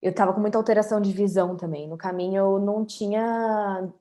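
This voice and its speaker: Brazilian woman, late 20s, interview guest; warm, mellow voice, candid chatty storytelling. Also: mid-range voice, steady tone, a little fast. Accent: Brazilian Portuguese. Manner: candid, conversational, often adds tag questions.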